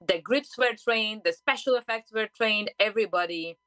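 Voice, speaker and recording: Bright-voiced Hungarian woman telling her story. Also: mid-range voice, moderate pace, clear, resonant tone, no room sound, low-quality recording. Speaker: guest, underwater safety diver. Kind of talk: interview conversation. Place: radio studio.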